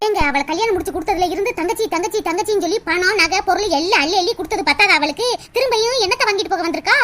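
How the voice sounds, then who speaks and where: An actor voicing a sharp-tongued young wife who scolds and complains with scorn in a cartoon. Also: very high voice. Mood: scornful. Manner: fast nagging complaints, scornful.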